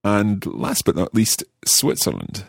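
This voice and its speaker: A man with a very low, husky voice leads a podcast language lesson. He speaks carefully and clearly for learners. The sound is dry and close. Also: huge pitch swings, slow pace, no room sound. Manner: careful, enunciating learner pronunciation. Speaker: language course host. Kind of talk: podcast language lesson, repeating phrases slowly.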